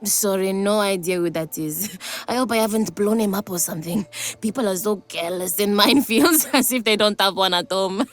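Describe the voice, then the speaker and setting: An actress voicing a manic, cheerful young woman in a video game, excitable and giggly, with a gleeful passion for explosives. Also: mid-range voice, a little fast, soft background music, natural voice. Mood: chatty, earnest. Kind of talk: video game character acting.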